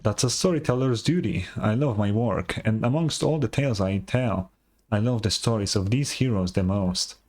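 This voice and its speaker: An actor playing an earnest tribal storyteller in a video game, telling heroic legends in a measured, reverent, solemn way. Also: male voice, on the low side, a little mellow, soft background music, close to an everyday voice. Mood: earnest, wistful. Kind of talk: dramatic storytelling, scripted game dialogue.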